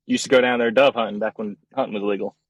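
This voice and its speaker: A young man from Costa Rica raised in Georgia, chatting in a casual interview, relaxed and rambling with many "uh"s. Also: on the low side, fast talker, dry recording, highs cut off. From born in Costa Rica, raised in Georgia, USA. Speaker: guest, trick shooter.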